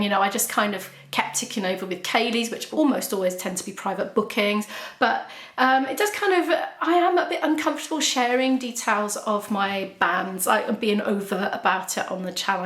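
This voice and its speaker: A woman's voice: medium pitch, fairly bright tone, roomy sound. A woman, chatting candidly to camera as she answers viewer questions, laughing often and restarting sentences. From Wales. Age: 40s. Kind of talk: casual chat.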